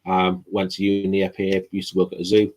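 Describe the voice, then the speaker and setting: A man's voice: sits low, monotone, brisk, a little mellow. A man from Wales, a guest chatting with dry, teasing humour over a video call, sitting back from the mic. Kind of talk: casual chat.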